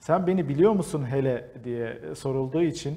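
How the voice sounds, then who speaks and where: Talking at a moderate pace, a man with a fairly high pitch has a dark, mellow tone that is somewhat breathy, with ordinary pitch variation. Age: 30s. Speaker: family counselor and TV presenter. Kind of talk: TV program introduction. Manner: formal; hesitant fillers.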